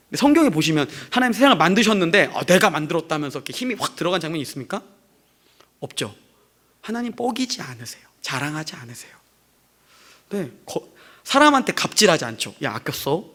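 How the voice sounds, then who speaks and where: A man preaching a sermon as a pastor to his congregation in church, in a conversational way with rhetorical questions. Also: a little high. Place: church sanctuary.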